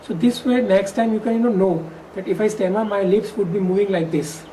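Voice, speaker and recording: A woman with an Indian English accent speaks in a mellow, darker tone at a middling pitch. She explains things in a measured, earnest way, with now and then a stammered restart. A faint hum of the room sits behind her. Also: low-quality recording. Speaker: workshop participant who stammers. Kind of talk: exit interview, explaining in earnest.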